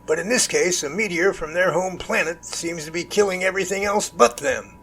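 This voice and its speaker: A man's voice: sits high, brisk, a bit bright, slight background noise. A man playing a puzzled, intrigued confidant asking questions in an amateur audio drama, with an inquisitive, musing manner.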